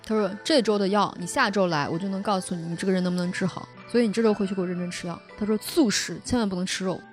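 A young woman from Shaanxi telling a personal story in a casual podcast chat, animated and often laughing. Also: mid-range voice, rapid-fire, soft background music. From Shaanxi, China. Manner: animated, laughs often, frequent tag questions. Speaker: podcast host.

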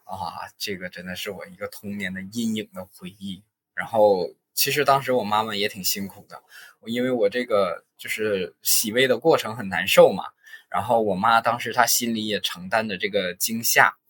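A young man casually telling childhood stories on a podcast, halting and restarting as he goes. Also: on the low side. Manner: halting, many restarts, lively retelling. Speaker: podcast host. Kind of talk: casual storytelling.

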